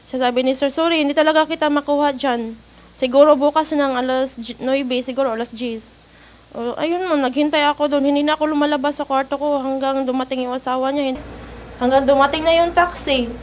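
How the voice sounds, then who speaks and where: An overseas worker, a woman with a high, steady, brisk voice, earnestly and politely recounts a personal ordeal during an interview, punctuating it with nervous laughs.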